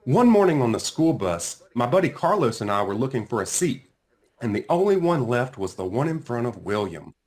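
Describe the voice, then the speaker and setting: A man reading his own children's book aloud in an expressive storytelling style, with dramatic pauses and drawn-out phrases. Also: mid-range voice. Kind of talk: animated children's read-aloud narration.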